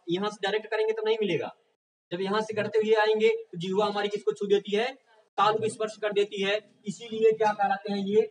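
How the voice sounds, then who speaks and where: A man's voice: high voice, far from the mic, low-quality recording. A male teacher giving an exam-prep lecture in a classroom. He asks the class questions, answers them himself, and keeps checking that they have understood.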